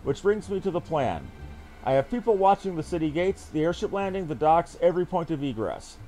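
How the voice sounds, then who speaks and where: Grave military captain for a fantasy game, played by a male streamer: formal, archaic, stern, lively intonation. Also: a little high, fairly quick, faint music behind, poor audio. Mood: stern, intent. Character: earnest military captain briefing an ally on a spy hunt. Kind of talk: reading fantasy game dialogue aloud.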